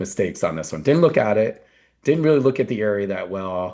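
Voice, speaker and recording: Against a quiet background, this is an ordinary speaking voice with an American accent. The pace is fairly quick. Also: man. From New Jersey, US. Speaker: real estate investor and investor group leader. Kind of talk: webinar panel talk, anecdote. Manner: casual, filler-heavy.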